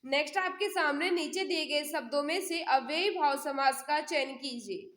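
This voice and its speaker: A woman's voice: high voice, normal speed, a bit bright, echoey room. A woman teaching a live exam prep class, reading questions and answers aloud in an instructional way, repeating them and prompting listeners.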